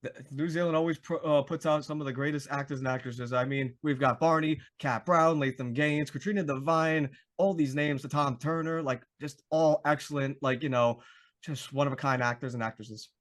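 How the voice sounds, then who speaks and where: A man's voice: a little high, steady tone, moderate pace, fairly bright tone. A man with a New York accent hosting an interview, talking eagerly and gushingly, with lots of "like" fillers. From Brooklyn, New York. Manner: eager, gushing, heavy use of "like". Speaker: podcast host. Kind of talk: casual interview chat.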